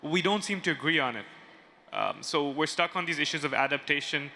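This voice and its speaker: Bright-voiced young man asking a question. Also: on the high side, fairly quick, slight background noise. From Bangladesh. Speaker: audience member asking a question. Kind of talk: audience question at a panel.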